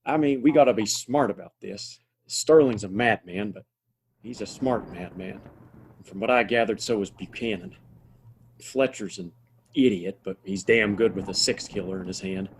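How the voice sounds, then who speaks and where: Faintly noisy recording, man as gruff old-west townsman, lowish pitch, folksy, steady, plain-spoken, western audio drama. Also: moderate pace, lightly acted. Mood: urgent, scheming. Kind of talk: audio play acting.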